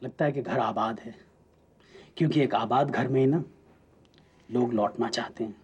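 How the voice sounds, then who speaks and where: A man's voice: mid-range voice, normal speed, darkish tone, a little hiss or hum, close to an everyday voice. An actor in a TV serial playing a doting, teasing father with a wistful side. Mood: tender, wistful. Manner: teasing, theatrical, mock-formal with the child. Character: playful, doting father of a young child, secretly wistful. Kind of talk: Hindi TV serial drama acting.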